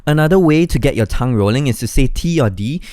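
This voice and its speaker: A man's voice: medium pitch, expressive, fast, mellow, dry recording, clean studio sound. A man teaching beatbox step by step in an encouraging, instructional way. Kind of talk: step-by-step tutorial.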